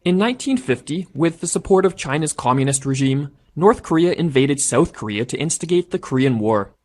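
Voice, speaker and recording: A man reading a scripted documentary narration in a measured, formal way. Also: a little high, animated. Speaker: narrator of an essay video.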